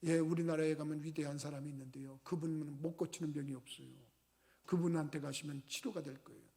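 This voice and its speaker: Man voicing a meek servant girl, soft. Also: on the high side, fairly even intonation, fast talker, creaky, voice pushed down. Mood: earnest. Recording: reverberant church sanctuary.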